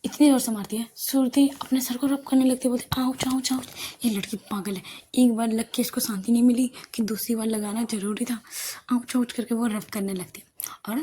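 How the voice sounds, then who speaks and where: Young female storyteller, casual and chatty, mellow tone, faint hiss behind. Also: fairly high pitch, fairly even intonation, a little fast. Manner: casual, conversational, drops to a whisper at times. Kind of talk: narrating an audio love story.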